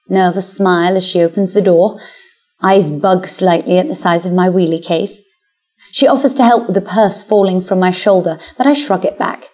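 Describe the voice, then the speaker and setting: A woman's voice: medium pitch, a little mellow. A woman with a British accent narrating a first-person story in a wry, confident, self-mocking way. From Britain. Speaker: audiobook narrator.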